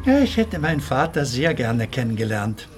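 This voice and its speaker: A man's voice: medium pitch, very animated, normal speed, faint music behind, lightly acted. An actor playing a proud retired plasterer in his seventies in a radio play, telling his family's war story earnestly. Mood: somber. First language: Italian.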